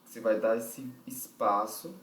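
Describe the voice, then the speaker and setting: His voice is lowish, a bit bright, animated yet a little slow as this Brazilian Portuguese-accented man teaches vocal technique. Each step gets explained in turn while he thinks aloud and checks in with his listener often. The sound is roomy, picked up from a far-off mic.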